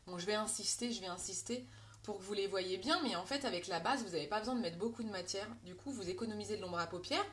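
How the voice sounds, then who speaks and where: A woman's voice: mid-range voice, fast talker, a bit bright. A woman with a French accent hosting a live makeup tutorial, chatting to her viewers as she works. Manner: chatty, addresses viewers directly, reads out comments.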